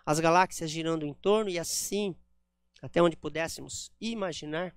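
A man's voice: fairly high pitch, moderate pace, clean tone, no room sound. A man giving a spiritist lecture at a center, explaining ideas step by step with frequent "né?" tags. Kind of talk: public lecture with slides.

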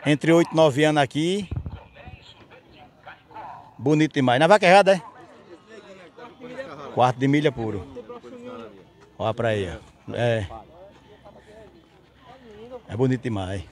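A man's voice: medium pitch, a little slow, pauses often. A man with a Northeastern Brazilian accent hosting a casual outdoor market vlog, chatting familiarly in short stock catchphrases. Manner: repeats stock catchphrases, addresses people familiarly. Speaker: host, market reporter. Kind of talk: casual on-location vlog commentary and interviewing. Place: outdoor dirt-lot livestock market with trucks.

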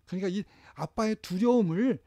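A middle-aged man delivers a training lecture in a fairly high voice. He stays lively and acts out what parents say. The sound is dry and close. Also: brisk, dry recording.

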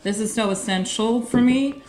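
A woman's voice: a little high, moderate pace, echoey room, background noise. A woman chatting casually on a video, showing her convention gear and laughing often. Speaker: YouTube convention reporter. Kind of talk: casual show-and-tell chat. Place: game room with arcade cabinets.

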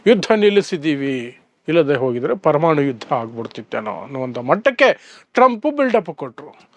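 A man's voice: sits high, no room sound, dull audio. A man with a Kannada accent giving a sarcastic, emphatic news commentary, explaining events point by point. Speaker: political commentator.

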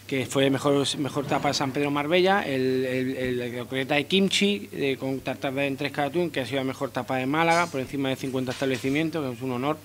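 A man's voice: medium pitch, fast talker, few pauses, a little hiss or hum. A man in his thirties, a chef, answering interview questions in a restaurant dining room into a handheld mic, often repeating words and restarting. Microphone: handheld interviewer mic held close.

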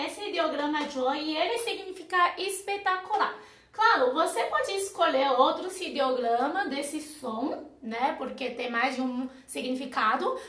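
Woman, Mandarin speaker, language teacher, patient explanations, frequent check-ins, slow delivery, echoey room. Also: sits high, fairly bright tone. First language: Mandarin Chinese. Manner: patient, checks in often with tag questions. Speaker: Chinese teacher.

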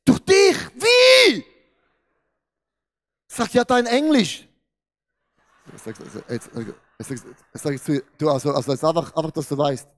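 A man preaches from a large church stage, speaking into a handheld mic. His voice sits fairly high for a man. He acts out the story, turning loud and then suddenly hushed. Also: unhurried, long pauses. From Switzerland. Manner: animated storytelling, swings between loud and hushed. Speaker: pastor. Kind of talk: sermon with acted-out story.

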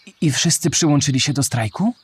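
An actor playing a curious young schoolboy who eagerly asks questions in a scripted children's audio drama. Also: male voice, fairly high pitch, animated, a little fast, breathy edge. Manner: inquisitive, eager. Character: Historyjek, curious young schoolboy asking about history.

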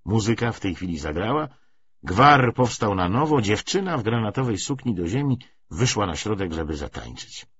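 Male narrator, low-pitched, animated intonation, literary audiobook reading, dull muffled recording. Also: normal speed, breathy edge.

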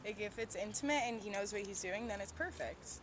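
A woman's voice: medium pitch, brisk, slight background noise. A young woman answering an outdoor street interview on a campus with blunt, joking remarks. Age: young adult.

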